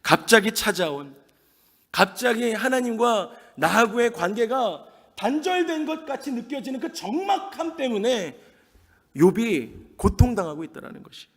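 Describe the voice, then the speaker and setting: A man's voice: very high voice, sing-song, unhurried, fairly bright tone, slightly rough. A man preaching a sermon as pastor, delivering it dramatically and acting out the words of the people in his story with emphasis. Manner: dramatic, emphatic preaching that acts out quoted speech. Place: church sanctuary. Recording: long reverb of a large hall.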